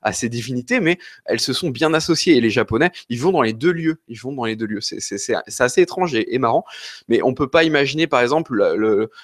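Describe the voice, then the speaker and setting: A man's voice: mid-range voice, no echo, clean studio sound. A man from France hosting a live question-and-answer stream, talking in a rambling, hesitant and apologetic way while a little ill with an occasional cough. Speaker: host answering viewer questions.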